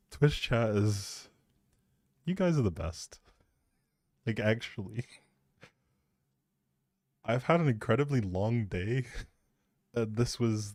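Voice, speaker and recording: A man's voice: mid-range voice, expressive, takes it slowly, pauses often, darkish tone, dry recording, studio quality. A man hosting a gaming livestream, rambling casually in a giggly, flustered, scattered way.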